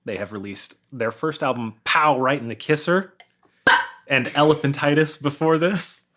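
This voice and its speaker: A man's voice: a little high, normal speed, noisy background. A man speaking as a podcast guest, chatting casually with friends.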